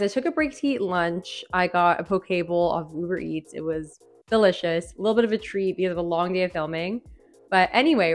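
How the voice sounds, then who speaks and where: A young adult woman talks casually as a food vlogger hosting recipe reviews, informal and sprinkling in "like" as she goes. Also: fairly low pitch. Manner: informal, frequent "like" as filler.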